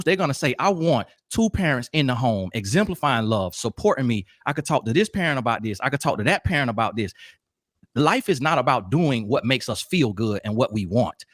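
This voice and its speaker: A man who argues like a preacher, emphatic and moralizing. His voice swings widely in pitch. The sound is dry, with no room in it. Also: no echo. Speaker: podcast guest. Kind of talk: heated debate.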